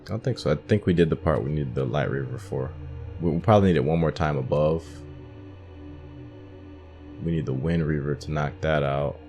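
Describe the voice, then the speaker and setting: Male gamer, extremely low voice, casual walkthrough delivery, reasoning out loud over background music. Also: moderate pace, pauses often. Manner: thinking aloud. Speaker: gamer giving a playthrough guide. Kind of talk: casual game playthrough commentary.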